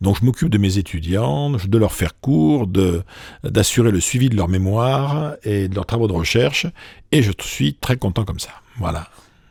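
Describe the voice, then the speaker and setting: A man's fairly low, somewhat breathy voice with lively intonation at a fairly slow pace. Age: 60s. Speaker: professor. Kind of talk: podcast interview.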